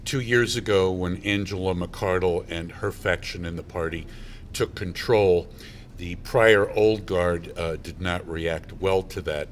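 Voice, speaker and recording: A low-pitched man explains a party dispute in firm, fluent sentences, ticking through points one after another. A faint hum of convention ambience sits behind him. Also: steady tone, a little slow. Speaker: party member guest. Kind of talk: political explanation. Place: hotel convention venue.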